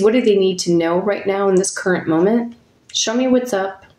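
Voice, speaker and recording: Speech comes at a moderate pace with ordinary pitch variation against noticeable background noise. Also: woman. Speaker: tarot reader. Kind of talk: tarot reading video. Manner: casual, chatty.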